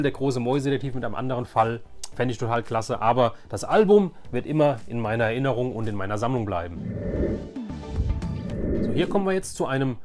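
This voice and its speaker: A man's voice: medium pitch, darkish tone. A man in his forties talks casually, like a nostalgic vlogger. He is enthusiastic and rambles, repeating words for emphasis, with faint music underneath. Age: 40s. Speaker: YouTube host. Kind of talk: casual nostalgic vlog chat about collecting.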